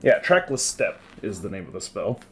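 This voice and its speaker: A man narrating and refereeing a tabletop role-playing game as game master, conversational and pausing to explain rules. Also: sits low, big pitch swings, a little hiss or hum.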